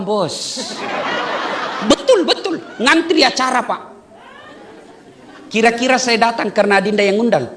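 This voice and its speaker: A male preacher delivers a wedding sermon in a bright, forceful voice. His pitch swings widely as he jokes, poses questions and answers them himself. The delivery stays animated throughout. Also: slight background noise. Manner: animated, joking, asks and answers own questions.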